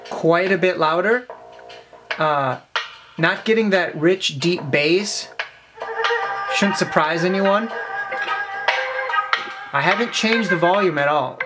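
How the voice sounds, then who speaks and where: Speaking in a high voice over music, a twentysomething man explains a tech demo in a relaxed, hands-on way, somewhat haltingly as he works things out aloud. The camera-mic audio from his small, cluttered office is poor, with noticeable background noise and clicking from handling.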